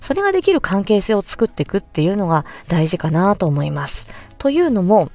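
On a casual podcast, a female speech therapist chats her way through an explanation, lively and full of small hesitations. She talks briskly at a medium pitch, with faint music playing behind her.

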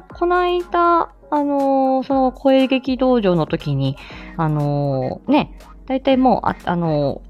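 A woman's voice: fairly low pitch, a little mellow. A woman voice actress chatting casually about her drama, with lots of fillers and frequent laughs. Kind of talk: casual livestream chat. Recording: slightly dull audio with faint music.

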